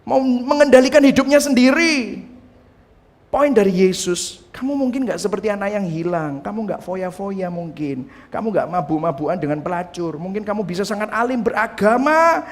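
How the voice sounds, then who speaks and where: A man preaching a sermon as pastor, animated, asking the congregation rhetorical questions and acting out quotes. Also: sits high, moderate pace.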